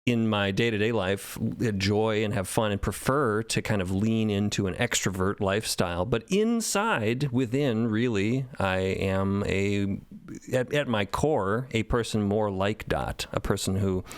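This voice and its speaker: A man's voice: lowish voice, a little slow, clear, resonant tone, dry recording. A man talking about his creative work at a podcast roundtable in a reflective, playful and wordy way. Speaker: podcast co-creator and sound designer. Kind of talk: casual roundtable chat.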